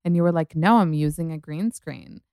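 Woman podcast host, chatty and gushing, smooth, lowish voice, dry close mic. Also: moderate pace, darkish tone, dry recording. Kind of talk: casual podcast chat.

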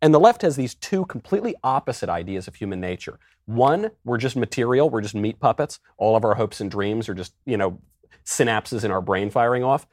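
A man's voice: mid-range voice, lively intonation, a little fast, darkish tone, no echo, studio quality. Wry, lecturing man. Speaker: roundtable panelist, author. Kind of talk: casual political discussion.

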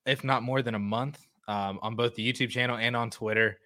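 A man's voice: medium pitch, fairly even intonation, fairly quick, pushed and bright. A man guesting on a casual podcast, laid-back and laughing at himself.

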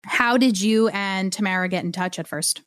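A woman's voice: mid-range voice, moderate pace, a bit bright, clean tone, no room sound. Female co-host, mid-range voice, conversational podcast intro, dry and free of room sound.

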